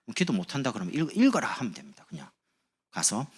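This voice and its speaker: A man's voice: mid-range voice, wildly swooping pitch, quick pace, husky. A man preaching as a pastor, speaking in a chatty, humorous sermon to his congregation in a church. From Busan, South Korea. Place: church sanctuary.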